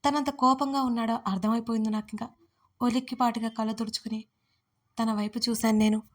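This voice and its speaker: A young woman narrating a first-person story in an expressive, emotional reading. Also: a little high, a little fast.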